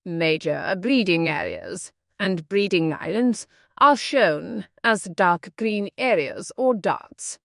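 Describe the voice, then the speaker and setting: A woman's voice: medium pitch, vocal fry, a bit bright, no room sound, clean studio sound. A woman reading scripted factual passages aloud as exam practice.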